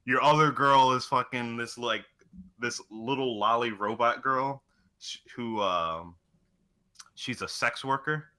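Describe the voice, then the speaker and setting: A man's voice: medium pitch, a little slow, sharp tone. A man talking casually about video games as a co-host, rambling along and swearing freely. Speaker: podcast co-host.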